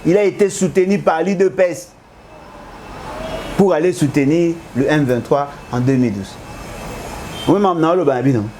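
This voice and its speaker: A man's voice: a little high, moderate pace, long pauses, darkish tone, a little hiss or hum. A man arguing politics in a heated debate, lecturing and insisting he cannot be contradicted, mixing French and Lingala. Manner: argumentative, lecturing, switches between French and Lingala. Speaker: political commentator.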